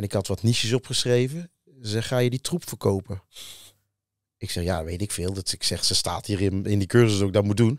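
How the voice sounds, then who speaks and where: A man at a fairly quick pace with ordinary pitch variation, a dry sound with no echo, and a quiet background. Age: 40s. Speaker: TV chef and e-commerce entrepreneur; podcast guest. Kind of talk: casual interview. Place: studio. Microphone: studio mic.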